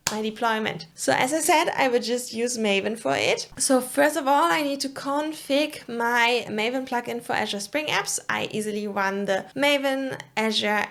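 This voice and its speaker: Upbeat German-accented woman, gravelly edge. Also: fairly high pitch, a bit bright. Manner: upbeat and enthusiastic. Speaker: developer tutorial host. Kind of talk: tutorial screencast narration.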